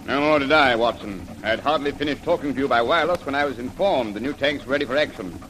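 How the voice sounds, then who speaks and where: An actor playing a clipped, authoritative army colonel who gives orders in a 1930s radio drama. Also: male voice, medium pitch, quick pace, fairly bright tone, natural voice, low-quality recording. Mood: measured. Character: commanding army colonel leading tank squadron. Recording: faint hiss of an old radio recording.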